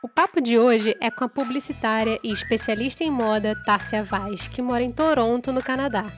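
A woman's voice: on the high side, brisk, loud music behind the voice. Upbeat Brazilian woman hosting a podcast. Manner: upbeat, joking. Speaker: podcast host. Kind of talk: casual podcast interview.

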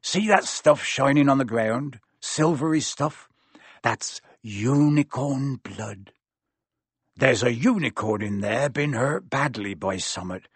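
A man voicing a big gruff groundskeeper, fierce but kindly, who growls in rustic dialect in an audiobook story. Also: mid-range voice, slow pace, dry recording. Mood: grave, instructing.

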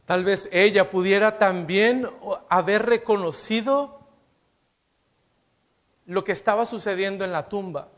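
A man's voice: high voice, a little slow, pauses often, fairly bright tone, muffled recording. A man preaching a sermon, speaking straight to his listeners with rhetorical questions and acting out the lines he quotes.

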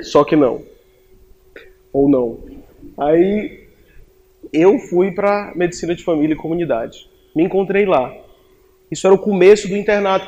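A man's voice: high-pitched, poor audio. A young man with a Brazilian Portuguese accent, a doctor telling his own story to an audience in a humorous, self-mocking way. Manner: joking, self-mocking, animated.

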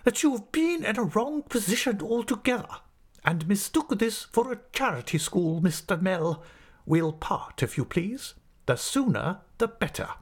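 A man's voice: high-pitched, sing-song, a little slow, vocal fry, breathy edge, voice pushed up, exaggerated voice. A man voicing an irascible, pompous school principal in an audiobook, full of sarcastic politeness and whispery menace. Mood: scornful. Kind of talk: audiobook character acting.

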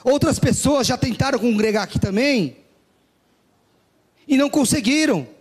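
A man voicing a stern, condescending pastor who turns a young man away, in a husky high voice. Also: expressive, normal speed, big-room sound, heavily acted. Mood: dismissive. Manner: dismissive, condescending.

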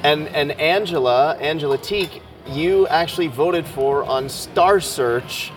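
A man's voice: on the high side, takes it slowly, soft background music. A man hosting a casual interview, talking with enthusiasm and laughing easily. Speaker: podcast host.

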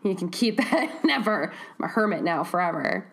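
A woman's voice: fairly low pitch, very animated, normal speed. Podcast lady, sarcastic, laughs a lot, a bit cough-y. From eastern Canada. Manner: laughing often, sarcastic, brash. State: recovering from a cough. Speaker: podcast co-host. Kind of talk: casual podcast chat.

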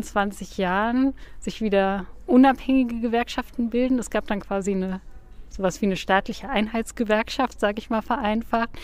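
A woman's voice: on the high side, darkish tone. A woman guest speaker explaining in an interview in a thoughtful, careful way.

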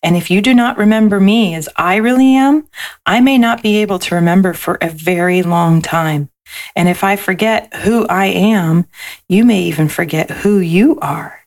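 A woman reading aloud and voicing a gentle, wise and loving soul who speaks in a tender, reassuring way. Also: medium pitch, moderate pace, lightly acted. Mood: serious.

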